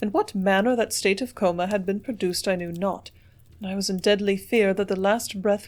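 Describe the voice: With fairly even intonation, the text is given as plain reading aloud.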